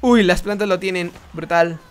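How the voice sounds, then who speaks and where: A young man commentating his own game, excitable and prone to shouting and repeating words in bursts. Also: high-pitched, moderate pace. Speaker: gaming YouTuber. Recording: music playing underneath.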